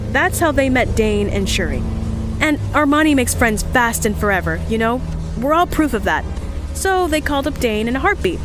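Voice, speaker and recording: High-voiced, chatty, breezy young woman. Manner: rambling, confiding, breezy. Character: chatty, upbeat, scatterbrained young woman on a resistance team. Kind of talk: audio drama monologue as a personal log.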